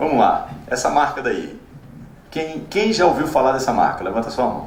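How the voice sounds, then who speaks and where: A man with a southern Brazilian accent at a moderate pace, with audible room echo and noticeable background noise. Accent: gaúcho (southern Brazil). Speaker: tech investment executive. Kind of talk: conference presentation.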